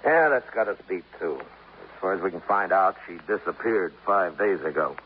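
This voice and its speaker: A weary police lieutenant with a very deep voice who runs through the facts briskly and plainly. He sounds like an old radio play, dull in tone with a faint hiss. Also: lively intonation. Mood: matter-of-fact. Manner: brisk, matter-of-fact reporting. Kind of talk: 1950s radio drama acting.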